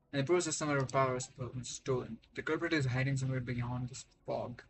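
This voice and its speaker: A man's voice: medium pitch, low-quality recording. A man streaming a video game, reacting live and reading dialogue aloud. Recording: game music under the voice. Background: game music.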